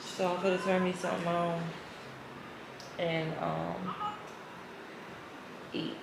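A woman talks straight to her viewers in a loose, candid vlog, cursing freely as she chats. Her voice bounces around a roomy space, with steady noise underneath. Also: on the low side, slow, vocal fry. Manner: chatty, candid, swears freely. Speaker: vlogger. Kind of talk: casual vlog chat. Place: hotel room.

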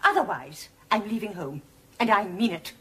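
A woman's voice: medium pitch, lively intonation, normal speed, pushed and bright. A middle-aged actress playing a long-suffering wife who scolds her husband with exasperated sarcasm in a sitcom. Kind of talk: sitcom acting. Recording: noisy old TV broadcast audio.

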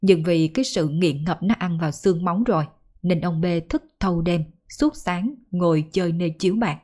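A woman storyteller narrating a folk ghost story in a measured, even way. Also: fairly low pitch.

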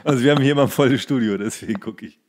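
A man's voice: medium pitch, very fast. Man chatting casually, loose and teasing. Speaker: podcast co-host. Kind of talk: casual joking chat about TV series.

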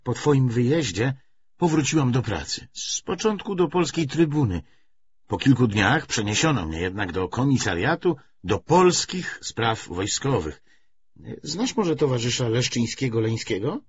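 A man voicing a brisk, wry, self-assured young communist woman in an audiobook novel, talkative with a feigned lightness. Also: mid-range voice, sing-song, dull audio, a little hiss or hum. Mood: brisk, probing.

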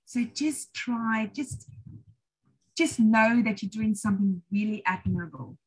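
Middle-aged South African woman, encouraging trainer, husky, video call. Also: mid-range voice, measured pace, darkish tone, poor audio. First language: English or Afrikaans. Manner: chatty, encouraging, self-deprecating. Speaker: IELTS trainer hosting a webinar. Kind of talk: webinar Q&A answers. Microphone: laptop video call.

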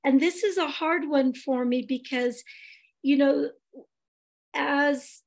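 A woman in her sixties who is losing her voice, talking earnestly through a public meeting on a video call from home, with many fillers and restarts. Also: high voice. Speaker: board chair. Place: home room, indoors.

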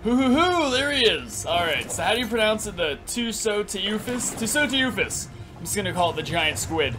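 Excited young man with a raspy morning voice. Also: sits high, normal speed, music in the background. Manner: energetic, crude, rambling with lots of "like". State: raspy from just waking up. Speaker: gaming YouTuber. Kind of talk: excited gameplay commentary. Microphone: headset.

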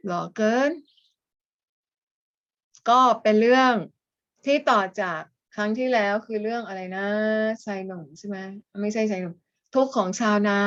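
A woman teacher talks through a class lesson at a middle pitch, explaining one point after another. She keeps a patient, steady classroom manner and tags her sentences with polite endings. The recording sounds slightly dull and lo-fi. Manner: explains step by step, adds "na kha" often. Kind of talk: online class lecture.

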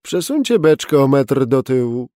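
Man voicing a calm young sea captain. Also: mid-range voice, normal speed, no echo, studio quality, lightly acted. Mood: commanding. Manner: calls out crisp orders to the crew. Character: young male ship captain, calm and commanding. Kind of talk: audiobook character voice.

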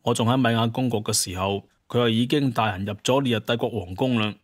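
A man's voice: mid-range voice, quick pace, dry recording, studio quality, lightly acted. A man with a Cantonese accent voicing a glib, shameless hunter chief in an audio drama, wheedling and making excuses. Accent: Hong Kong or Guangdong Cantonese.

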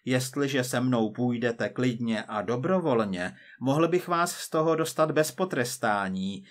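A man voicing a cold, persistent male agent from the future, measured and quietly menacing. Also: mid-range voice, close to an everyday voice.

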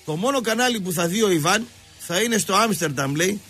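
A man whose voice sits high and sounds slightly rough hosts a radio sports show, going on about football with mockery, animation and frequent digressions. Faint music plays behind him in the studio recording.

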